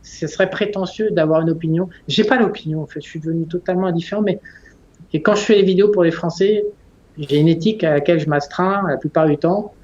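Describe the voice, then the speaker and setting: A man in his forties who talks bluntly and rambles, his voice sitting a little high. He laughs often and swears casually. The recording sounds dull and lo-fi. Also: fast talker, a little mellow. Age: 40s. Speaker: interview guest. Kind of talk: casual conversation.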